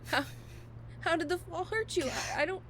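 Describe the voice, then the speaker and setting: Woman acting distraught, very high-pitched tearful friend. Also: expressive, normal speed, fairly bright tone, a little hiss or hum. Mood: guilty, anguished. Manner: stammering, sobbing, protesting. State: crying. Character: distraught young woman, loyal, stubborn, grieving friend. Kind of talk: audio drama acting.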